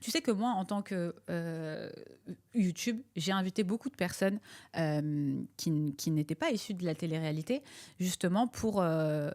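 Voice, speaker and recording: A woman's voice: fairly low pitch, moderate pace, a little mellow. A woman hosting a casual, opinionated podcast, speaking emphatically and repeating herself to drive points home. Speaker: podcast host and video content creator.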